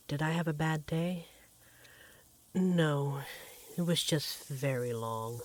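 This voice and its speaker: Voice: medium pitch, close to an everyday voice. A performer playing an affectionate, teasing vampire barista in a conversational audio roleplay about domestic life. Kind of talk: ASMR audio roleplay, one-sided domestic dialogue. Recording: clear background noise, sizzling frying pan.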